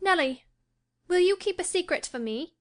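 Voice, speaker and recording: A woman's voice: very high voice, animated, moderate pace, voice pushed up. A woman voicing a peevish, anxious young lady in an audiobook, impulsive and emphatic in her pleading. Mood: anxious, confiding. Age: young adult. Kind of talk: audiobook character acting.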